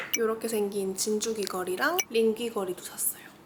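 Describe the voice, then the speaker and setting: Noticeable background noise sits behind a woman's voice. She speaks fairly quickly at a fairly high pitch. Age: 20s. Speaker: lifestyle vlogger. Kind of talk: vlog voice-over narration. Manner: casual, friendly.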